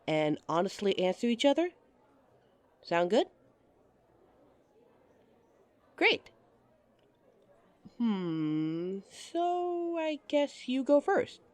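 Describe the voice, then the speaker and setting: A woman's voice: a little high, very animated, slow pace, pauses often. A woman playing a giggly, teasing date. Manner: teasing and giggly, laughs often. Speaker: voice actress in an audio roleplay. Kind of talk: audio roleplay addressing the listener as a date.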